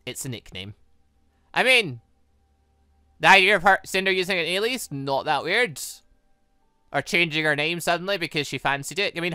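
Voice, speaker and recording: A British man gives rambling, casual commentary on a visual novel playthrough. His voice is bright and forward, with pitch that swings around in an animated way. The sound is close and dry. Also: no echo. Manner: rambling, musing aloud. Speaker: gaming video host.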